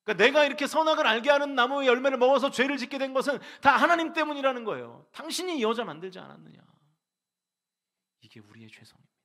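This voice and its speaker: A man's voice: very high voice, lively intonation, fast talker, pushed and bright. A middle-aged male pastor giving a sermon in a church, asking the congregation rhetorical questions and voicing people's complaints to God. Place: church sanctuary.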